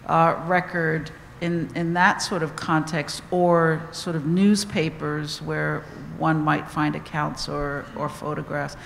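A woman's voice: sits low, gravelly, a bit bright, slight background noise. A woman in the audience asking the panel a long, meandering question, searching for words as she goes. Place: auditorium audience. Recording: roomy echo, distant from the mic, faint ambience.

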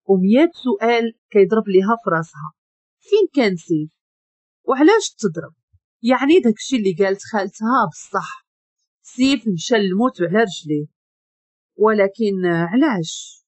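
A woman with a Moroccan accent narrating a dramatic story, expressive and shifting her voice for the characters, close to the mic. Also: on the high side, slightly rough, dry recording.

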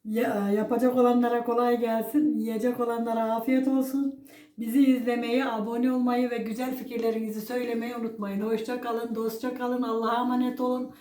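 A woman's voice: a little high, flat delivery, fairly quick. An older woman with toothless articulation gives a homely cooking demonstration, folksy and given to blessings, addressing viewers as friends. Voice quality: toothless, soft-edged articulation. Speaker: home cook presenting a recipe. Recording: roomy echo, faint background noise.

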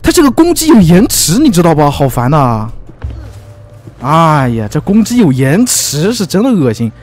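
A man giving lively, teasing commentary as he plays a video game, full of exclamations. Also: fairly high pitch, moderate pace. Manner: excitable, teasing, frequent exclamations and laughs. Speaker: gaming YouTuber. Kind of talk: let's play commentary.

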